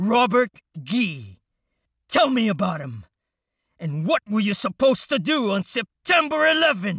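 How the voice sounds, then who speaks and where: Shouting in a put-on character voice, a man with a high pitch and very wide pitch swings speaks at a fairly slow pace with long, frequent pauses. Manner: yelling, threatening.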